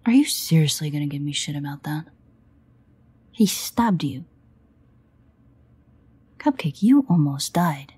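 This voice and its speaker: A woman's voice: low voice, big pitch swings, measured pace, pauses often, warm tone, slightly rough, full character voice. A woman acting a sardonic, protective, foul-mouthed vampire in an intimate audio roleplay, grumbling sarcastically with hesitant asides. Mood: guilty, defensive.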